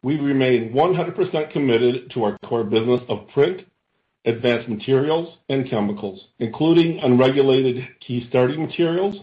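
A man, a company chief executive, reads a scripted earnings call presentation in a formal, measured way with deliberate phrase breaks. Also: medium pitch. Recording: dull, echoey conference call audio.

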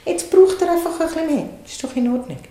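A woman with a Swiss German accent calmly explaining how to soothe and talk to small children in a casual conversation. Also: extremely high pitch, fast talker, reverberant. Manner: calm, explanatory, acts out soothing words to a baby.

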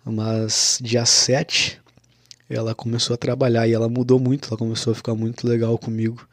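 A young man recounts a personal story in a casual, confessional monologue. His voice sits at a middle pitch and stays flat and even, and he keeps dropping in "cara" and "né". The sound is dry and close, with no room around it. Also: normal speed, dry recording.

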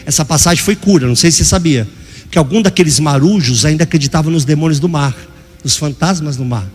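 An older man preaching a sermon as pastor, dramatic, acting out voices and sometimes shouting. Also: fairly high pitch, fast, breathy edge, big-room sound.

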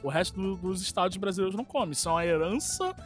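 Podcast co-host, Brazilian man, thirties, pitched high, excitable swearing banter. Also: quick pace, soft background music. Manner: profane, joking, excitable. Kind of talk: casual chat.

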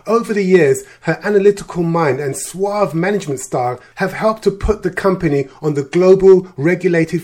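A man hosting a radio interview show, reading polished introductions and asking questions in a measured way. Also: fairly high pitch, darkish tone.

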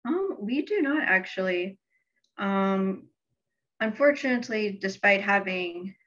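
A young woman, a student guest on a podcast, speaking thoughtfully and steadily with the odd "um". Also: mid-range voice. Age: young adult. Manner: thoughtful, steady, some ums. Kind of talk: casual interview chat. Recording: dull lo-fi sound.

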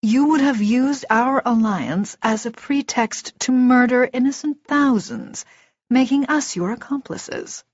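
A woman voicing a small male dark-elf warrior in an audiobook, calm, formal, measured and pitiless. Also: fairly high pitch, dry recording, dull audio, voice pushed up. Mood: cold contempt. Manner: formal, measured, quiet, emotionless.

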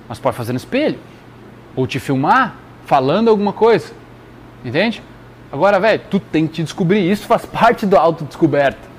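High-voiced man giving earnest advice. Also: a little hiss or hum. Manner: slangy, earnest, addresses listener directly. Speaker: speaker sharing advice. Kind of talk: casual motivational talk.

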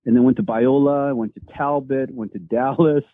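A man's voice: medium pitch, steady tone, normal speed, dry recording. A Korean-born man, a senior pastor, telling his story earnestly as a guest, with many fillers and restarts, heard over a remote call. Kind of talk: casual storytelling interview. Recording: dry, tinny phone-like line.

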